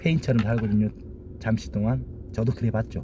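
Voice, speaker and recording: This man speaks at a medium pitch. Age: 40s. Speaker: used car dealer and mechanic. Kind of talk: casual self-introduction monologue.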